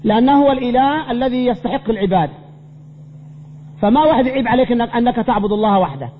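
A very high-pitched man teaches a religious class, firing questions at his students and repeating them until someone answers. His preaching leans on emphatic repeated phrases. The recording is dull and lo-fi, with a long hall reverb and a faint hum. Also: lively intonation, very fast. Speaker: sheikh teaching a creed class.

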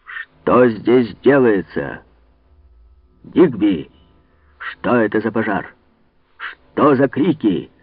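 A man's voice: fairly low pitch, expressive, very slow, pauses often, husky, no echo, heavily acted. A man playing a commanding old-school general. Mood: stern calm. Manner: imperious, sonorous, rebuking. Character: commanding calm middle-aged male general. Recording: tinny, phone-like, dry.

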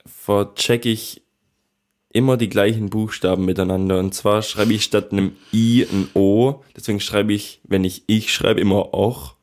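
A man's voice: lowish voice, steady tone, moderate pace, a little mellow. A young man co-hosting a podcast in laid-back, teasing casual chat. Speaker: podcast co-host.

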